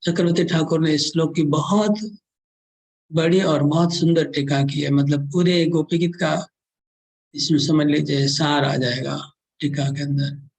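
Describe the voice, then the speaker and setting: A man with a fairly high voice gives a scripture class. He speaks slowly and steadily, chanting each verse and then explaining it in plain talk. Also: steady tone, creaky, poor audio. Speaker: preacher.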